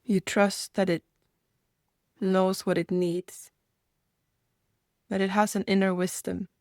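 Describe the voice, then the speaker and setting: A woman leading a guided meditation, speaking gently in soft invitations with reflective pauses. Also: medium pitch, flat delivery, dry recording, clean studio sound.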